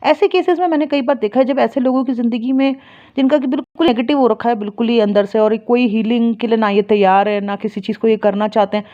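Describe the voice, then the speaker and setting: A woman's voice: fairly high pitch, quick pace. A woman, a spiritual healer and astrologer, giving casual advice and telling stories with rising energy. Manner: explains plainly, rises into lively storytelling. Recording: dull lo-fi recording.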